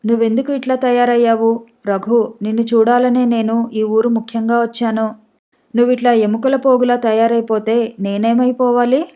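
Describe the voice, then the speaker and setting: A woman's voice: a little high, level tone, normal speed, warm tone, close to an everyday voice. A woman reading the part of a tearful, heartbroken young married woman in a pleading way, in an audiobook story.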